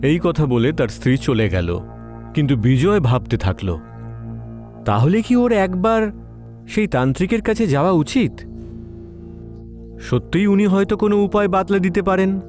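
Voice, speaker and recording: Casting: male narrator, somewhat high voice, dramatic horror storytelling over background music. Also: expressive, normal speed, long pauses, darkish tone.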